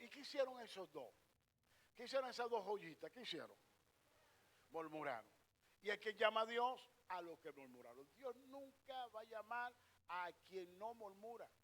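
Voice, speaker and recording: High-voiced preacher. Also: male voice. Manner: asks the congregation rhetorical questions and answers them himself; directs a scripture reader between points. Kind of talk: sermon.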